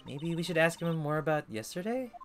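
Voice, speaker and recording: A man's voice: a little high, sing-song, fairly quick, fairly bright tone, a little hiss or hum, pitched above the performer's own voice. A man putting on a perky young girl.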